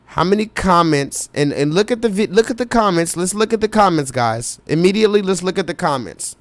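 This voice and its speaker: Animated and high-pitched, this man speaks fairly quickly with no echo. On his live reaction stream he reads out viewer comments and urgently, insistently presses his chat, repeating himself and talking right to them.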